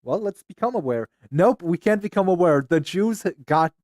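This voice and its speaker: A man with a slightly high voice hosts a casual stream chat. He mutters while fiddling with his screen. The mic is close and dry. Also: expressive, normal speed, a little mellow, no room sound. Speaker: streamer host.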